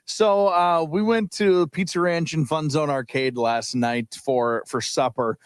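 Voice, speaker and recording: Male co-host, 30s, lively storyteller, dry studio close mic. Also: fairly high pitch, measured pace, clean tone, no echo. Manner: excited storytelling, laughs often. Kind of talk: casual sports radio chat. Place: radio studio.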